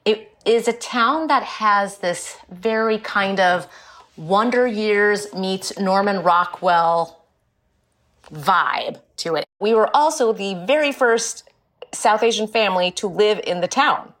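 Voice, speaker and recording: A woman's voice: mid-range voice, slow pace, fairly bright tone. A woman in her forties, born in India and raised in Illinois, talking frankly and chattily as an author guest. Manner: chatty, frank and explanatory, with light laughs. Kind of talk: casual interview conversation.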